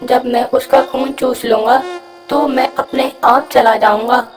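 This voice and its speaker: A woman's voice: on the high side, fairly even intonation, measured pace, reverberant, far from the mic, faint music behind, close to an everyday voice. A woman voicing a cheeky, brash male mosquito in a children's cartoon, with a cocky, drawling delivery. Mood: sly. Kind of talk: cartoon voice acting.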